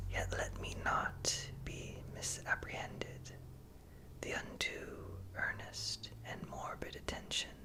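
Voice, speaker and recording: A very slow whisper is heard against noticeable background noise. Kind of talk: ASMR reading of a classic horror story. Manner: whispered, soft.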